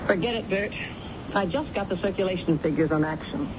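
Woman playing a brisk, hard-nosed boss, muffled noisy recording. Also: lowish voice, natural voice. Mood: firm, hard. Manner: businesslike, clipped, commanding. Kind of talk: radio drama acting. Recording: muffled, noisy old radio broadcast.

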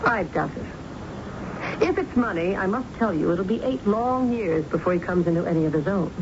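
A noisy, muffled old radio drama broadcast. a controlling, well-to-do middle-aged mother, probing and firm. Her diction is polished and her pitch swings in a lively way. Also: moderate pace. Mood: cold, firm.

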